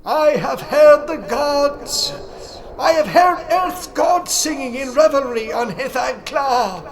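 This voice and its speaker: A man's voice: crowd noise, exaggerated voice, poor audio. A man voicing an old prophet in a horror audiobook, wildly exultant and boastful, proclaiming shrilly. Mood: ecstatic, boastful. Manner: shrill, wild, slow proclaiming shouts. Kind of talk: dramatic audiobook character voice.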